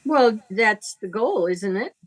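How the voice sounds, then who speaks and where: A crowd can be heard behind a woman who speaks as a spiritual teacher, conversational yet deliberate and emphatic, with a preachy, moralizing streak. Her mid-range voice is animated.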